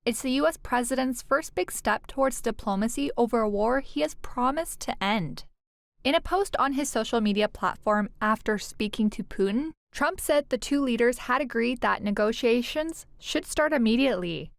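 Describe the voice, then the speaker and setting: A woman's voice: on the high side, animated, normal speed, gravelly, no room sound. A woman narrating a scripted news report as a reporter, with matter-of-fact delivery.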